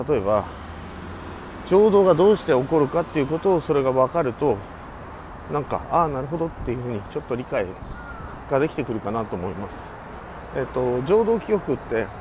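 A man talks fairly quickly at a medium pitch, with very wide pitch swings and big swings in loudness. Long, frequent pauses break it up over noticeable background noise. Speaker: qigong healer. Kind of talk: casual monologue. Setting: outdoors in a park. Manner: halting.

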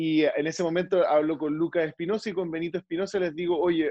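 With a Chilean accent, a man talks at a fairly quick pace in a high pitch. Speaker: journalist and comedy writer. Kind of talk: casual interview chat. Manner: halting, frequent repetitions.

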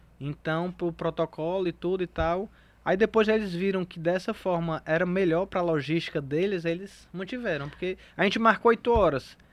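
A man with a Cearense accent speaks at a moderate pace in a high voice, his pitch varying in an ordinary way with hardly any pauses. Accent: Cearense Northeastern Brazilian Portuguese. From Ceará, Brazil. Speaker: reality cooking show contestant, lawyer. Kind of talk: casual interview.

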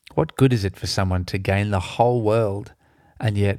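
Fairly low in pitch, a man speaks at a moderate pace. The recording is very clean and the background silent. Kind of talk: scripture reading aloud. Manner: cheery.

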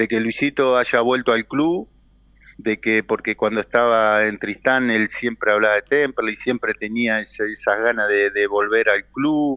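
A man at medium pitch, bright and sharp in tone with fairly even intonation, in a dry, close sound with no echo. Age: 50s. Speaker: former footballer. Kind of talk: phone interview.

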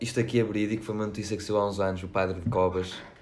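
Audible room echo around a man's fairly low, monotone, flat voice with a European Portuguese accent. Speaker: podcast co-host. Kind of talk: casual chat.

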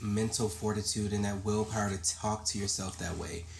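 An unremarkable speaking voice with an American accent moves at a fairly quick pace and keeps a fairly even intonation. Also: man. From Chicago, South Side. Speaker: podcast co-host. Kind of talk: casual chat.

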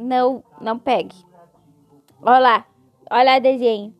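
Music plays behind a woman with a high pitch. She speaks at a moderate pace. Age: 20s. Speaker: podcast host, mother. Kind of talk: casual monologue.

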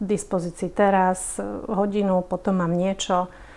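Hers is an unremarkable speaking voice, medium in pitch, and the woman keeps her intonation fairly even. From Slovakia. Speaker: change consultant and former banker. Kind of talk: interview conversation.

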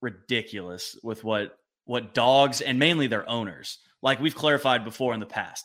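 On a very clean recording against a silent background, a man talks. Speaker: sports broadcaster. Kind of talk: casual sports talk. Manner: loud.

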